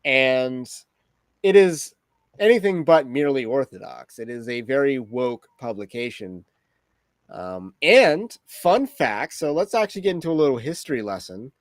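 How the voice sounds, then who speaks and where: A man hosting a casual livestream, talking through topics with wry, rambling asides. His voice sits at an ordinary middle pitch. The sound is dry and close, with no room around it. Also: lively intonation, normal speed, no room sound. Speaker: livestream host.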